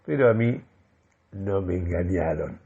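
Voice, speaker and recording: An actor playing a euphoric, deluded man who solemnly delivers a grandiloquent radio monologue with deliberate, dramatic pauses. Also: deep voice, expressive, dark tone, slightly rough, dull audio, heavily acted. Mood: satisfied, deadpan. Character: euphoric, deluded man convinced of mystical energy communication. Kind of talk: theatrical first-person radio monologue.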